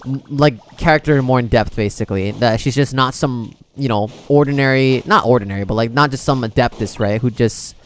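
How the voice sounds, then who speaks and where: A man's voice: medium pitch, brisk, few pauses, clear, resonant tone. A man livestreaming a video game, chatting casually with viewers and rambling as he thinks aloud.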